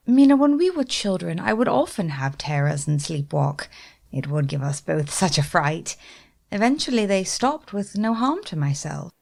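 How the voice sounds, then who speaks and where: An actress playing a frail young woman who sleepwalks, speaking softly in formal period English in a radio play. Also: lowish voice, very animated, moderate pace, creaky, no echo, full character voice. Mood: gentle. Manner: soft, earnest, period-formal speech.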